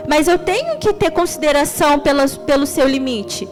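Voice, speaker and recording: A young woman from Rio de Janeiro with a Carioca accent, preaching an extroverted, animated sermon as a church deaconess. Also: sits high, normal speed, faint music behind. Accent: Carioca Portuguese. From Rio de Janeiro, Brazil. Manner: extroverted, animated storytelling with laughter.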